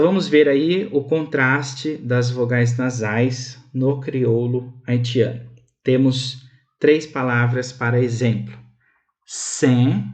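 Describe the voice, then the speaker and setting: Brief: young Brazilian man, university instructor, unhurried lecture, sounds out each word. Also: medium pitch. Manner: slow, careful, drawn-out pronunciation examples. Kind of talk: online lecture on phonetics.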